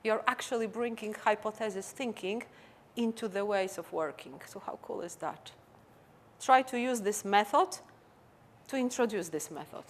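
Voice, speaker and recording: A woman with a Polish accent, a native Polish speaker, giving a conference talk and answering questions in an animated, conversational way. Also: medium pitch, moderate pace, a little hiss or hum. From Poland. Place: conference stage.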